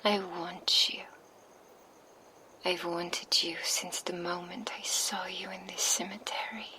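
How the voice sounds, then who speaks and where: A woman's voice: fairly low pitch, little pitch movement, slow, sharp tone, a little hiss or hum. A woman voicing a seductive, possessive female vampire in an ASMR roleplay, whispering close to a binaural microphone. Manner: intimate, purring whisper close to the ear.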